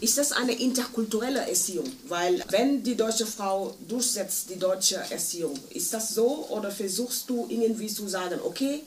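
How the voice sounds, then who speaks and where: A woman's voice: mid-range voice, moderate pace, few pauses. A woman moderating a discussion round, asking probing questions and rephrasing them. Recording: distant mic with room noise.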